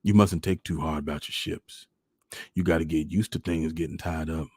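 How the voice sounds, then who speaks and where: Storybook father acted by a man: rural Southern, deep, raspy, folksy, gentle and wistful. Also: fairly even intonation, normal speed, dry recording, clean studio sound, full character voice. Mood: consoling. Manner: folksy, consoling, plainspoken. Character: gentle, wistful country father of a small boy.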